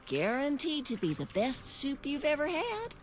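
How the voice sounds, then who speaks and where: Flohop, a doting villager. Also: female voice, high voice, wildly swooping pitch, normal speed, crowd noise. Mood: delighted. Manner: warm, fussing hospitality. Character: kindly generous female villager, motherly. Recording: game audio under music.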